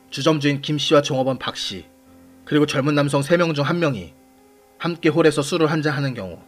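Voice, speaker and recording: A man hosting and narrating a scripted true-crime series in a measured, formal manner, putting questions to the audience. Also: mid-range voice. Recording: voice over background music. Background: background music.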